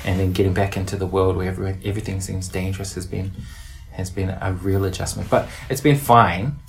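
A woman's voice: very deep voice, steady tone, fairly quick, creaky. A woman speaking as an interview guest, candid and reflective with a playful streak. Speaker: podcast guest, performer and playwright.

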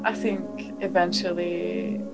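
Slow-talking woman interviewer over loud music. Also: on the low side, level tone, creaky, low-quality recording. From Lebanon. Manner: chatty, with frequent fillers and laughs. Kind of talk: casual interview. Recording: music playing loudly behind.

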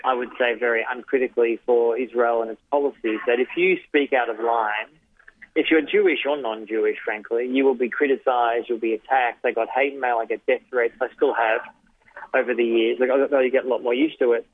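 A man's voice: medium pitch, steady tone, fairly quick, no echo. A man, giving thoughtful interview answers in short phrases as a journalist and author. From Australia. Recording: dry tinny phone-line sound.

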